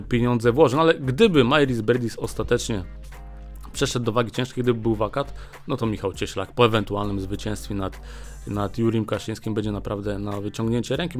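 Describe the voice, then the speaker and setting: A man in his thirties hosting a boxing news roundup in casual commentary, talking into a desk mic in a small studio and pausing often with filler sounds. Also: mid-range voice. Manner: chatty, many filler "e" pauses. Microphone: desk mic on a small stand.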